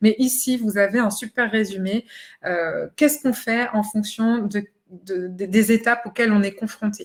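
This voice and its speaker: A woman talks with monotone, flat intonation. Her pitch is medium. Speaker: naturopath and trainer. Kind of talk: webinar lecture. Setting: online webinar. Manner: hesitant fillers.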